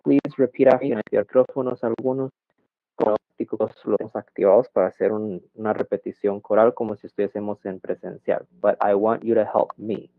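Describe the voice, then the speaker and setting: A man's voice: fairly low pitch, steady tone, normal speed, no room sound. A man teaching an English class online, explaining grammar in Spanish and modeling English questions with exaggerated rising and falling intonation. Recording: thin phone-like audio, dry.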